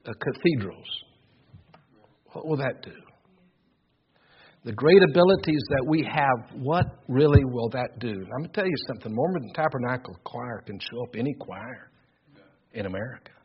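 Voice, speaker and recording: An older man preaching a sermon with a loud voice, earnest and emphatic, often repeating words as he builds his points. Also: medium pitch, expressive, unhurried, long pauses, breathy edge. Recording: dull lo-fi recording.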